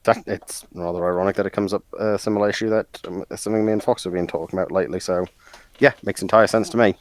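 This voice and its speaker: A man with a low voice talks quickly in casual conversation as a guest on a discussion. The sound is close and dry. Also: steady tone, no room sound. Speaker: guest co-panellist. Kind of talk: casual chat.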